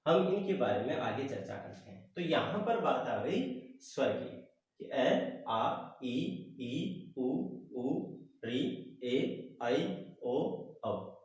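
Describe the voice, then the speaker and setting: A man teaching a Hindi grammar lesson online, slowly reciting the letters one by one. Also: mid-range voice, animated. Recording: very echoey room.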